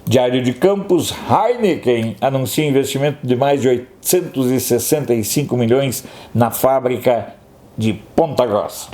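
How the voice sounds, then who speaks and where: A man's voice: mid-range voice, moderate pace, dark tone. A man commentator reading through newspaper headlines and adding sarcastic, opinionated asides. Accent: Brazilian Portuguese. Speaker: news commentator.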